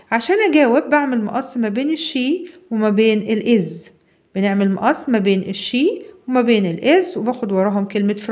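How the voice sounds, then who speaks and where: Higher-voiced Egyptian woman teaching. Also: a little mellow. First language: Arabic. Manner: slows down and spells out example phrases, asks and answers own questions. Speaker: English teacher for schoolchildren. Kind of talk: explanatory lesson, reading English phrases and translating them.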